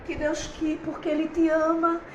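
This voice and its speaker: High-voiced woman preaching. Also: completely flat delivery, normal speed, roomy sound, lo-fi sound, a little hiss or hum. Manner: heartfelt, conversational preaching with many fillers. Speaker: pastor. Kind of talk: livestream sermon.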